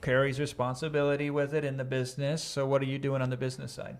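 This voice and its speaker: With an Iowa accent, a man speaks in a fairly high voice. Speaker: online business coach, host. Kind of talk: interview. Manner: enthusiastic.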